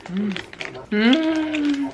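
A woman's voice: sits high, very slow, background noise. A young woman vlogger chatting and humming over food with her mouth full, chewing as she talks. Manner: savoring food with hums. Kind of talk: casual eating vlog chat.

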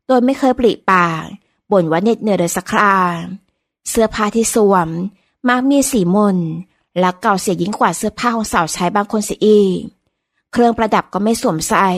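A woman reads a period-romance novel aloud in a calm, even storytelling voice. Her pitch sits in a comfortable middle range. The recording is dry and close, with no room sound. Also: dry recording. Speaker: audiobook narrator. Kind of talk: scripted novel narration.

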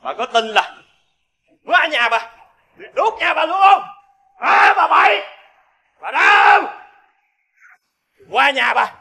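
An actor playing a violent young drug addict who yells threats at his neighbors, with a Southern Vietnamese accent. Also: extremely high pitch, measured pace, vocal fry, pauses often, full character voice. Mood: raging threats. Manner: menacing, yelling threats. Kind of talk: TV crime reenactment drama.

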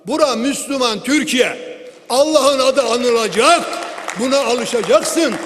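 A man giving a forceful political speech from the rostrum, speaking into a lectern microphone in a large hall and asking rhetorical questions. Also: very high-pitched, a little slow, some chatter behind, a little hiss or hum. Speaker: member of parliament giving a speech. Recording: long hall reverb.

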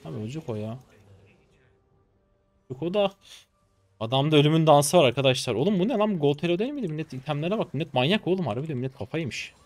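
A man in his twenties commentating his own gameplay live, excitable and swearing casually as he talks to viewers. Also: on the high side, fast, long pauses. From Turkey. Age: 20s. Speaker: game streamer.

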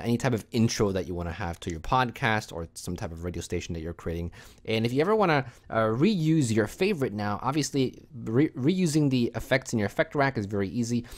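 Male tutorial host, lowish pitch, casual step-by-step narration, informal. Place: indoors, voice-over for screen recording.

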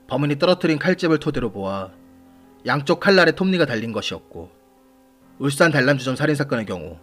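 Man narrating true crime, lively pitch. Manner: measured, formal, posing questions to the audience. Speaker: host and narrator of an unsolved crime series. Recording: voice over background music. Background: background music.

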